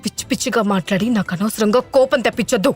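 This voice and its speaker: A woman's voice: mid-range voice, very fast, soft background music, lightly acted. A woman voicing a young mother who answers her family in a cold, curt way. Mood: cold defiant.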